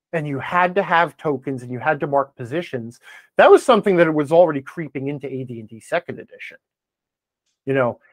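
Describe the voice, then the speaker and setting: Male podcast guest, voice a touch high, dry recording. Blunt, emphatic, opinionated conversational delivery. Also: no room sound. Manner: emphatic, blunt, acts out imagined remarks. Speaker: podcast guest, game blogger and game master.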